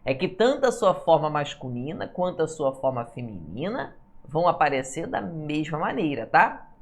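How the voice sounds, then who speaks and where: A woman, teaching Portuguese for civil service exams and going through answers, often checking in with her students and drawing words out when she stresses a rule. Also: low voice. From Brazil. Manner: lively, stretches words slowly when stressing a rule, asks "tá, pessoal?". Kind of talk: online exam-prep lesson going through answers.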